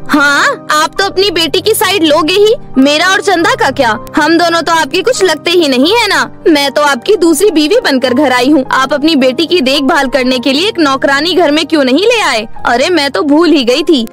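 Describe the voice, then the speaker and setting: A woman voicing a harsh, bitter stepmother in a cartoon moral story, sharp-tongued, sarcastic and nagging. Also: high voice, moderate pace, few pauses. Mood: sarcastic, aggrieved. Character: harsh, bitter, scolding middle-aged stepmother. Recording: faint music bed behind voice.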